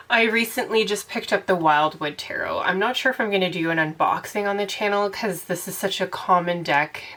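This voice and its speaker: A woman's voice: fairly low pitch, fairly bright tone, slight background noise. A young woman with a congested voice from a cold, chatting casually as host of her own channel. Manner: chatty, rambling, laughs often. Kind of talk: casual chat to camera.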